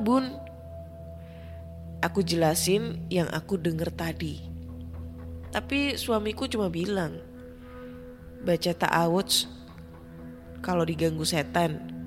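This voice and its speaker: A woman narrating a first-person horror story in a tense, hushed way, acting out the lines of people in it. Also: on the low side. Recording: music playing underneath.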